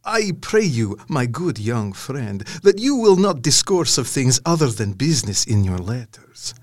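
An actor playing a courtly, menacing vampire count in an audio drama, formal and imperious. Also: male voice, mid-range voice, very animated, a little slow. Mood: veiled menace. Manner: formal, imperious, over-polite.

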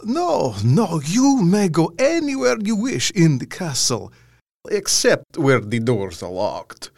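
Count Dracula, slow, swooping vampire voice. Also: male voice, on the high side, big pitch swings, gravelly, a little mellow, no echo, studio quality, exaggerated voice. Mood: quietly menacing. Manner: formal, deliberate, commanding. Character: courtly, sinister male vampire count, imperious and hungry for life. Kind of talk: dramatised gothic audio drama acting.

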